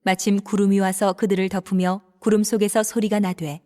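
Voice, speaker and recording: Woman calmly narrating scripture. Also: mid-range voice, a little fast.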